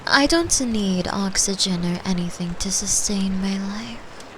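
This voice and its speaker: A woman voicing a gentle, lonely extra-dimensional being who comforts a human in an intimate ASMR roleplay, speaking softly and breathily, often dropping into a whisper. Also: medium pitch, slight background noise, close to an everyday voice. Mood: soothing, tender. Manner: soft, breathy, often whispered, soothing and unhurried.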